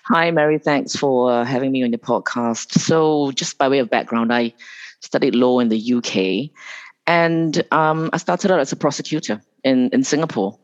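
A man's voice: mid-range voice, moderate pace. A man from Malaysia, a guest lawyer in an interview, talking casually with many restarts and fillers. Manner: hesitant, many restarts and fillers, laughs often. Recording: dull lo-fi remote audio.

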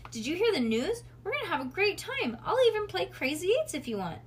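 A woman voicing a falsely cheerful eleven-year-old big sister, sing-song and over-bright, in a storybook reading. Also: sits high, very animated, takes it slowly, a little hiss or hum, full character voice. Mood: fake cheerful.

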